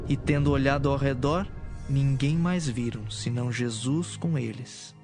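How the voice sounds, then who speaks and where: A man narrating scripture from a script in a measured, solemn manner. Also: medium pitch. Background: music.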